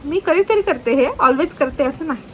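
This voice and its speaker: A woman's voice: sits high, expressive, moderate pace, a bit bright, a little hiss or hum. A young woman with a Marathi accent chatting to camera at home as a vlogger and new mother, mixing in English words as she goes. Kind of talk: casual chat to camera and baby talk.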